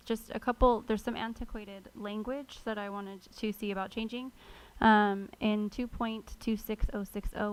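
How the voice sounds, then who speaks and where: American lady on a city council, talking carefully through meeting business, ordinary mid pitch. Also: poor audio. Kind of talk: deliberate public meeting remarks.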